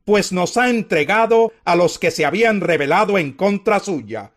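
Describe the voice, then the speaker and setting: A man's voice: sits high, animated, moderate pace. A man reading a deferential young messenger. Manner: respectful, deferential. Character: young messenger bringing news to the king.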